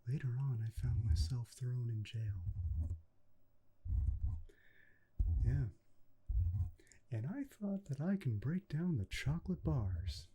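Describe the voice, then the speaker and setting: A man playing an earnest, kindly video game repairman in a soft-spoken ASMR roleplay, gentle, folksy and unhurried, slipping toward a whisper, close to the microphone. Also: mid-range voice, lively intonation, breathy edge, poor audio. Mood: earnest storytelling.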